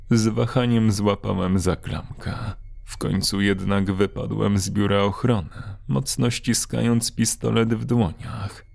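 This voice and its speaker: A man narrating a horror story in a slow, grave, dramatic way. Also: fairly low pitch, gravelly, darkish tone.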